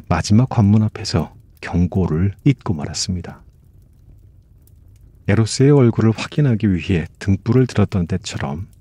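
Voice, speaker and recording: A man gently narrating myths as a soft-spoken bedtime storyteller, in polite narrative speech. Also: on the low side, dry recording.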